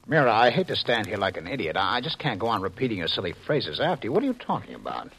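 A man's voice: fairly low pitch, huge pitch swings, quick pace, vocal fry, a bit bright, breathy edge, full character voice, low-quality recording. An American man acting an agitated, indignant husband in a 1950s radio science fiction drama, with emphatic delivery. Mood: baffled, exasperated. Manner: emphatic, exasperated, swooping delivery. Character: agitated, indignant husband, a future security chief.

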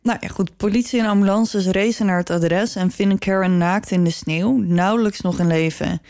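A woman's voice: mid-range voice, normal speed, darkish tone, no room sound. A woman with a mid-range voice tells a story as a podcast host. Her delivery is conversational, like recounting events to a friend. The sound is dry, with very little room in it. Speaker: true-crime podcast host.

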